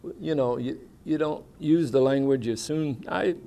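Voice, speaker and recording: An older American veteran, interviewed for an oral history, recalls his service days in a casual, rambling, homespun way. His medium-pitched, mellow voice has a gravelly fry, moves at a normal speed, and often pauses on "uh" between thoughts. He speaks plainly, with folksy grammar and plenty of fillers.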